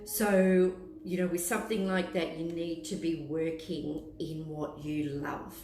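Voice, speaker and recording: Slow-talking Australian woman, rambling in a roomy space. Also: sits low, flat delivery, darkish tone, faint music behind. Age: 50s. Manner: rambling, thinking aloud, hesitant. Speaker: tea room host, psychic palm and tea leaf reader. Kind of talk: casual chat in a live stream, answering viewers. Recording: roomy echo with clear background noise.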